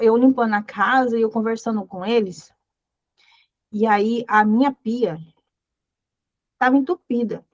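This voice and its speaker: A fairly high-voiced woman leads a Bible study and encourages her listeners, repeating short phrases and reading verses aloud. The sound is dry and slightly dull. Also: a little mellow, dry recording. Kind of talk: devotional teaching.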